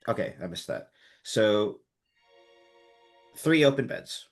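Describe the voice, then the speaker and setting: A man chatting casually as a player in a tabletop game, quick to joke. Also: lowish voice, animated, soft background music.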